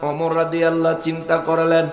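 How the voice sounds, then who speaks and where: A man preaching a sermon as a story, chanting and breaking into sung, shouted cries, voicing the people in the tale. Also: a little high, completely flat delivery, brisk. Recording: echoey hall with faint music.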